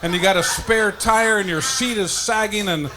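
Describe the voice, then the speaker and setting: A man's voice: high-pitched, moderate pace, sharp tone, soft background music. A man doing a stand-up set, stammering and repeating words while laughing at his own jokes. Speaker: stand-up comedian.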